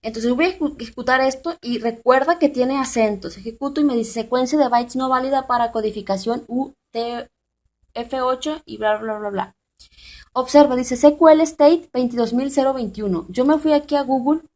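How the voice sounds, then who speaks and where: A woman's voice: high voice, normal speed, darkish tone. A woman hosting a programming tutorial, thinking aloud with fillers and asking the viewer questions. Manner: informal, thinks aloud with many fillers and restarts; addresses the viewer directly with questions. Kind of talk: screen-recorded software tutorial.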